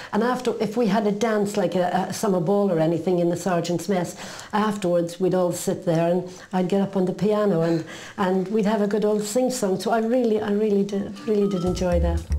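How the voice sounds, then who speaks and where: Audible room echo and noticeable background noise surround a woman who speaks in an Irish accent at a fairly quick pace with fairly even intonation. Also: medium pitch for a woman. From Ireland. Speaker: music lover selling items. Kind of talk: casual interview.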